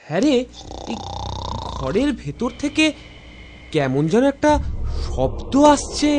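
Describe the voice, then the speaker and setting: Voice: medium pitch, sing-song, slow pace, noisy background. An actor playing a timid, easily spooked young boy in a children's cartoon. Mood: scared. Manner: hesitant, exclaiming.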